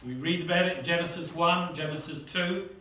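An older British preacher, his voice fairly high and brisk, reads scripture during an earnest, fervent sermon, letting phrases fall to a hush at the end. He speaks in a small church hall before a seated congregation. His lapel mic picks him up from somewhat far away, with a lot of echo.

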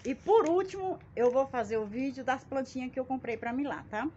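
This plant vlogger, a Brazilian woman in her forties, has a high, dark-toned voice and talks a little fast. Holding her phone at arm's length, she chats to camera with jokey, folksy self-mockery from a small plant-filled yard by a wall, and the dull phone recording picks up background noise.

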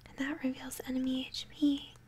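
A young woman whispers gently and breathily into a close mic, commenting on a game she plays in ASMR style. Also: sits high, little pitch movement, a little hiss or hum. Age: young adult. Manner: gentle, unhurried murmuring. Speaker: game streamer. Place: small indoor room at home. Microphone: close microphone. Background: game music.

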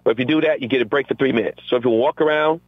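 Over tinny phone-line audio with faint music behind and a dry sound, a middle-aged teacher speaks very fast in a mid-range voice with a breathy edge. He is an energetic interview guest in conversation, acting out what he and his students say in class.

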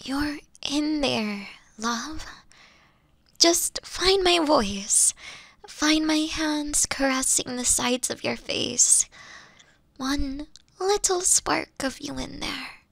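A woman acts out a caring young witch girlfriend in an intimate ASMR roleplay. Her soft voice is unhurried and frayed with vocal fry, slipping into whispers. It sits very close and dry on the microphone, tender, coaxing and a little teasing. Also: high-pitched, animated, dry recording, full character voice. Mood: tender, soothing. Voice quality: soft, breathy, often dropping to whispers.

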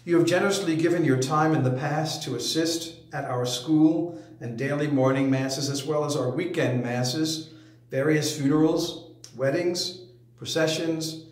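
An older man, a priest, gently reading a letter and giving parish announcements with frequent ums and uhs, filmed chest-up in a small indoor space. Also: fairly high pitch. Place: small indoor chapel space before a brick wall. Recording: very echoey room.

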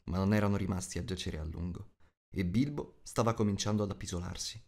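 A man's voice: deep voice, fast talker, darkish tone. A man reading a story aloud as an audiobook narrator in a scripted style.

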